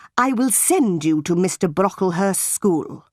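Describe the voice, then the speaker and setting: In a very clean recording with a silent background, a woman does a put-on character voice at medium pitch, with lively intonation and a moderate pace. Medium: read story. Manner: cold, sharp.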